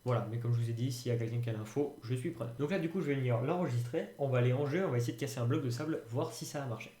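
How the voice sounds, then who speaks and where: A man walks through a software tutorial in a relaxed, unscripted way, pausing and hesitating as he works things out. His voice is mellow and dark. The room is echoey. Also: mid-range voice. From France. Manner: hesitant, thinking aloud with many fillers. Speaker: tutorial youtuber. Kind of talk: casual screen-recorded tutorial. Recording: roomy home recording.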